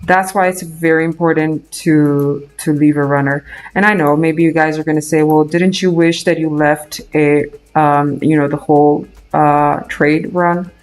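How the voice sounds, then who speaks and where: A man's voice: fairly high pitch, flat delivery, measured pace, hardly any pauses, soft background music. A young man from Romania with a Romanian accent, chatting casually on a live trading stream, thinking aloud with many fillers and restarts. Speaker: day trader streaming live.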